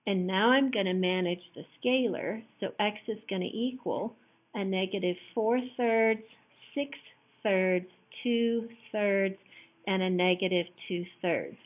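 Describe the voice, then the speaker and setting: A hoarse woman teacher patiently explaining matrix math step by step in a recorded lesson. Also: medium pitch, measured pace. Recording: tinny phone-like audio.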